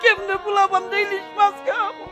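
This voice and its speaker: Woman playing a poor village father, patient and repetitive coaxing, very high voice, music behind. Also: flat delivery, quick pace. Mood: worried pleading. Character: poor, gentle rural father coaxing his son. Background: background music.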